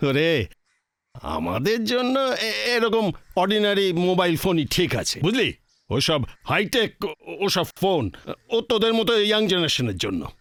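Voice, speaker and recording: A man's voice: sits high, big pitch swings, no room sound, full character voice. An actor playing a teasing, mildly strict but indulgent middle-aged father in a film family drama, musing with hums. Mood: teasing, relaxed. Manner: chuckling, drawn-out musing with hums and English phrases. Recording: film dialogue under loud music.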